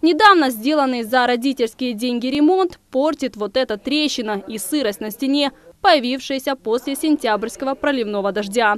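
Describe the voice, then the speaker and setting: A woman's high-pitched voice at a moderate pace, with lively intonation and a dry, close sound with no echo. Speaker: TV reporter. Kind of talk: scripted narration.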